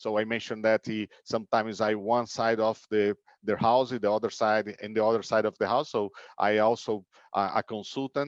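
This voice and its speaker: In a Brazilian accent, a man with a fairly low pitch speaks at a moderate pace with monotone, flat intonation, recorded dry and close with no echo against a quiet background. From Brazil, São Paulo area. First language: Portuguese. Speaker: business executive, keynote speaker. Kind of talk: business presentation. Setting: online webinar. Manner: halting, many fillers.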